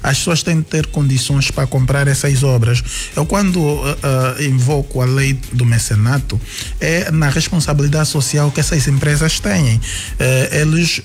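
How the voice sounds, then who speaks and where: A man, a radio guest answering questions thoughtfully with many pauses, fillers and restarts. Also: on the high side. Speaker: guest writer.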